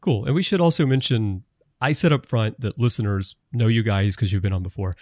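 A man's voice: fairly low pitch, a little fast, darkish tone, no echo, studio quality. A man hosting a podcast, wrapping up an interview in a friendly, upbeat way. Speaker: podcast host.

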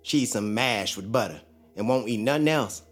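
A man's voice: mid-range voice, animated, moderate pace, a bit bright, soft background music. An actor playing a hopeful young father, talking earnestly. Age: young adult. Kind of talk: audio drama.

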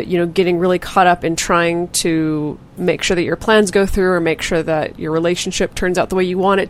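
A woman's voice: fairly low pitch, slight background noise. A woman co-hosting a casual podcast discussion, thoughtful and reflective, laughing lightly now and then. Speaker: podcast co-host.

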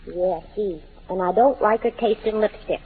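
A woman playing a sassy, disapproving wisecracker with a husky voice in a 1940s radio drama. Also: medium pitch, normal speed. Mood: sassy, teasing. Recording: tinny, muffled old radio recording.

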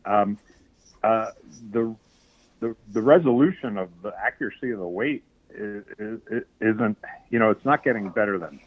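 A man calling in to a radio show over the phone, halting and repeating his words. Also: fairly low pitch, phone-quality sound. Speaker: caller. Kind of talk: call-in radio chat.

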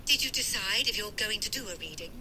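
Brisk older mum, sharp bright voice, up and down. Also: female voice, high voice, sing-song, exaggerated voice. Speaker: mother.

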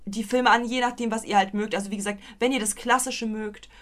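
A woman's voice: on the high side, steady tone, fairly quick, a bit bright. A young woman co-hosting a podcast, chatting casually about films, rambling with many restarts and playful teasing. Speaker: podcast co-host. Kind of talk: casual film review chat.

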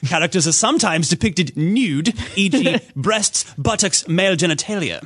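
High voiced guy hosting a games podcast, super animated, pitch all over, giggly when he reads. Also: moderate pace, husky. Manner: animated, breaks into giggles while reading. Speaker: podcast host. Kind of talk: gaming podcast chat and mock-dramatic reading aloud.

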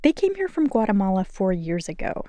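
A woman education reporter narrating a radio news feature in a steady, informative way. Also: medium pitch, brisk.

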